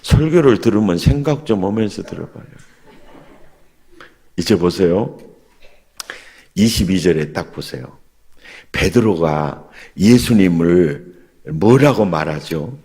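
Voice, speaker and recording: A man preaching a revival sermon as pastor, animated and asking the congregation questions. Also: sits low, takes it slowly, long pauses, husky. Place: church sanctuary. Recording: long hall reverb in church.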